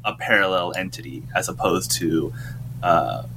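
A man's voice: low-pitched, normal speed, slight background noise. A man co-hosting a podcast in a casual panel discussion, talking loosely with many fillers. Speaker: podcast co-host.

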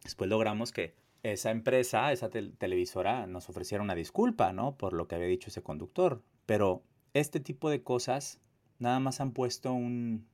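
A man's voice: lowish voice, lively intonation, moderate pace, a little mellow. A man giving a personal testimony monologue, emphatic, with repetition and rhetorical questions. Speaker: activist and abuse survivor telling own story.

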